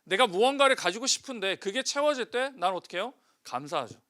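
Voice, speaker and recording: A man's voice: very high voice, expressive, fast talker, bright, forceful tone. A male pastor preaching a sermon, putting questions to the congregation and answering them himself.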